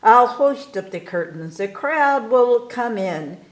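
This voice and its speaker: Excitable young boy showman, read by a woman, echoey. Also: a little high, takes it slowly. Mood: grand, excited. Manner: grandiose carnival-barker delivery. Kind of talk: storybook read-aloud. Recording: echoey room.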